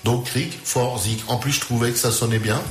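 A man chats casually about the festival he runs, hesitating often and leaning on fillers. His voice sits at a middle pitch. It sounds like an echoey room with a faint hiss behind him. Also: moderate pace. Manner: relaxed, hesitant, many fillers. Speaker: festival organizer guest. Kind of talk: casual radio chat.

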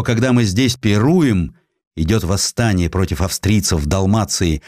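A man voicing a proud, defiant Russian general in an audiobook, orating with patriotic fervour and deliberate, weighty phrasing. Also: low-pitched, a little mellow, no room sound, studio quality.

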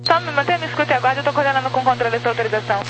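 Brisk woman over two-way radio. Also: sits high. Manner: brisk, crisp instructions. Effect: two-way radio transmission. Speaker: air traffic controller. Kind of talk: clipped radio phraseology. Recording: noisy radio transmission with hum.

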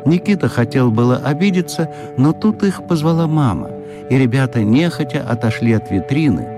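A man narrating a children's audiobook in a measured storytelling manner. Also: medium pitch, expressive, music in the background.

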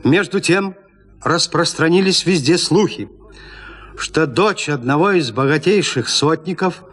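A man narrating a classic tale in a radio drama, telling it in an expressive, dramatic way. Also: fairly high pitch, unhurried, faint music behind.

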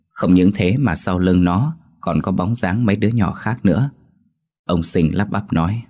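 A man narrating a scripted ghost story in a slow, ominous storytelling manner. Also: low-pitched, a little mellow. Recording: faint background music.

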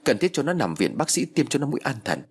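A man's voice: mid-range voice, sing-song, fast talker, breathy edge, pitched above the performer's own voice. A man playing a worried younger brother in a spoken horror story, pressing with anxious questions.

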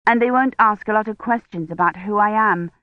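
A woman's voice: mid-range voice, a little fast, no room sound, voice pushed up, lightly acted. An earnest young woman historian, voiced by a woman reading a novel, eager and reassuring in tone. The recording is dry and close, with a slightly dull, lo-fi sound.

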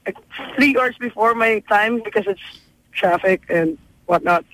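A woman with a husky voice calling in to a radio show, chatting in a rambling way. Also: medium pitch, unhurried, a bit bright, no room sound, poor audio. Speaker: caller. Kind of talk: phone-in chat.

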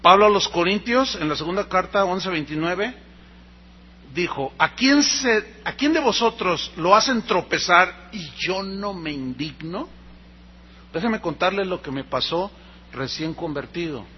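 A Mexican man preaching a sermon, telling a personal story and acting out the dialogue with lively energy. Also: high voice, a little slow, slightly rough, lo-fi sound. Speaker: pastor.

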